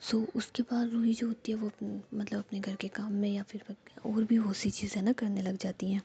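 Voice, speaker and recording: A woman narrating a story in a soft whisper, colloquial and rambling. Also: medium pitch, little pitch movement, normal speed, vocal fry, highs cut off, a little hiss or hum.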